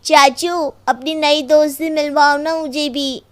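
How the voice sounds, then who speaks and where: A woman's voice: high voice, steady tone, unhurried, a bit bright, slight background noise, voice pushed up. A woman voicing an eager, pleading small child in a story.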